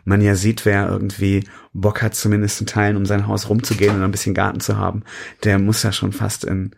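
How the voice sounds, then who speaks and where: A man with a fairly low, gravelly voice, talking loosely in relaxed slang with plenty of hesitations. He chats casually at a table mic with friends. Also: brisk, a little hiss or hum. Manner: relaxed, slangy, many fillers. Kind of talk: casual chat.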